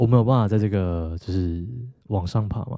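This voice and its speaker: In a very clean recording with a silent background, a man speaks at a fairly low pitch in a dark, mellow tone, with ordinary pitch variation. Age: 30s. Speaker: podcast host. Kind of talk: solo monologue. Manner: casual, filler-heavy.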